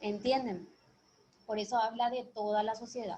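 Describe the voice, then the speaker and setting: At a moderate pace, a woman talks in a somewhat breathy, fairly high voice with fairly even intonation. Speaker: teacher. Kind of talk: lecture.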